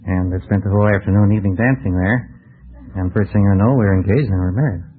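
A man's voice: fairly low pitch, fast. An American man, a contestant on a radio quiz, giving plain, casual answers about himself. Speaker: quiz show contestant, motor vehicle department clerk. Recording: muffled tinny old radio broadcast.

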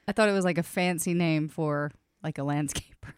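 A woman hosting a casual music podcast, talking in quick, chatty bursts and laughing often, a little sniffly from allergies. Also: low-pitched, clear, resonant tone, no echo, studio quality. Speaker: podcast host. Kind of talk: casual chat.

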